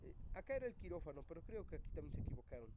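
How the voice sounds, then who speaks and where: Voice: medium pitch, big pitch swings, very fast, noisy background. A teacher going over exam questions with students, reading each option aloud and reasoning through it. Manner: reads options aloud, thinks out loud. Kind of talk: classroom exam review.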